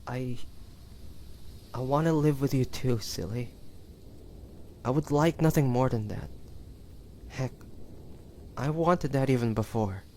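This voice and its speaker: Man acting a slow, halting, devoted demon hunter. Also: mid-range voice, warm tone, a little hiss or hum. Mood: tender, earnest. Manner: halting, emotional, breathy sighs and whispers. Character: devoted young male demon hunter, newly turned immortal, tender. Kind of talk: intimate audio roleplay drama, speaking to a lover.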